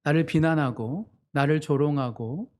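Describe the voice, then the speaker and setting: A man's voice: a little slow, a little mellow. A man preaching a Sunday sermon as pastor, in an earnest manner. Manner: earnest preaching, voices quoted family members with sudden pitch jumps.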